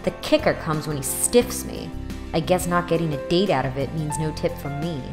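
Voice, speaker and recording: A woman's voice: low-pitched, moderate pace, in a large hall, lightly acted. Woman playing a sardonic, weary young student, strong music behind. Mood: wry, weary. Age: young adult. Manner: dry, sardonic, reluctant. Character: weary, sarcastic 24-year-old woman student and waitress narrating. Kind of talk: first-person audio drama narration and dialogue.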